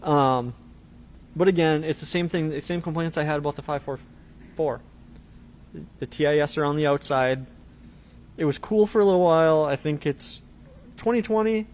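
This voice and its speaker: A man's voice: on the high side, normal speed, pauses often, a little mellow. A man co-hosting a live show, talking casually and rambling with fillers. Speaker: co-host of a live truck parts show. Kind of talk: casual chat.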